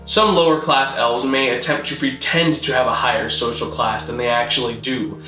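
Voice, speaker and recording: A man narrating a scripted mock-documentary explainer in a formal, measured, deadpan manner. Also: medium pitch, roomy sound, faint music behind, low-quality recording. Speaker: presenter of a constructed-language video.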